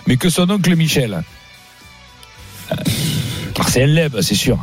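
A man's voice: very animated, unhurried, music in the background. A man hosting a football quiz on the radio, teasing the panel in a playful way. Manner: teasing, playful, jumps into falsetto.

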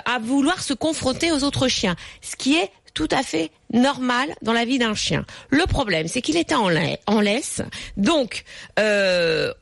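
A woman veterinarian giving calm, repetitive advice to callers on a radio call-in show. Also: fairly high pitch, creaky, no echo, studio quality. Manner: explains patiently, repeats key points. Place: radio studio.

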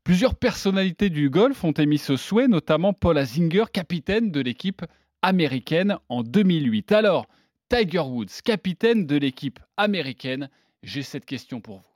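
A man hosting a golf talk podcast, presenting the show and its guests in lively scripted fashion. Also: a little high, normal speed, no room sound, studio quality. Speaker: podcast host.

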